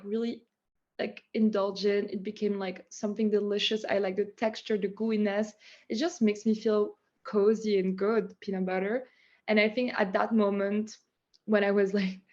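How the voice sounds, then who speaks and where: A woman's voice: medium pitch, highs cut off. A young woman from France with a French accent, chatting as a guest about the business she founded, full of "like" fillers. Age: young adult. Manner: chatty, many "like" fillers, animated. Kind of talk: casual interview chat.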